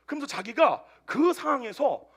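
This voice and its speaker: A male pastor preaching a Sunday sermon to a congregation, telling a story with animated swings between loud outbursts and hushed asides. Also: very high voice, normal speed, breathy edge. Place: church service with a congregation answering amen.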